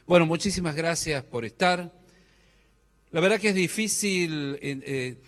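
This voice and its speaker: A man's voice: mid-range voice, a bit bright. A middle-aged man from Córdoba, Argentina, with a Cordoban accent, giving a joking conference talk and quizzing the audience with questions. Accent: Argentine Spanish, Córdoba. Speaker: speaker at a business conference. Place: large hall. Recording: hall reverb.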